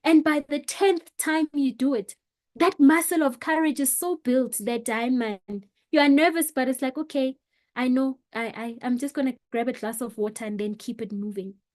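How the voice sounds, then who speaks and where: A woman coaching an online workshop on public speaking, talking with expressive shifts in volume and pace for emphasis. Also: high-pitched, normal speed. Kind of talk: motivational online workshop talk.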